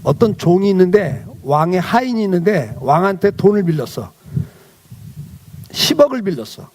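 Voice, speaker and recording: A man's voice: high voice, very animated, moderate pace, a little mellow. A male pastor giving a children's sermon, asking the children questions and then answering them himself.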